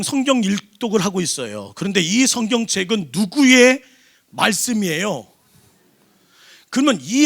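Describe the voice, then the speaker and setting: A senior pastor preaching a sermon in a church service, throwing call-and-response questions at the congregation. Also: male voice, high-pitched, vocal fry.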